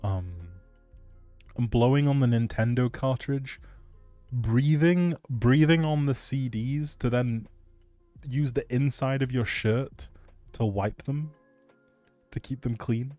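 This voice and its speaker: This livestream host has a mid-range, dark-toned voice, speaking slowly with long pauses, and the recording is dry. He chats casually with viewers about his game, replying to chat in a meandering, hesitant manner that often trails off, over background music.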